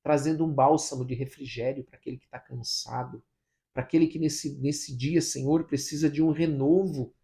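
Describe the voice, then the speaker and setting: Brazilian pastor guy, gravelly dark voice, reading the bible then praying hard. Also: a little high, fairly even intonation, normal speed. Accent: Brazilian Portuguese. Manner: fervent pleading prayer with repeated invocations. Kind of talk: morning prayer and Bible reading.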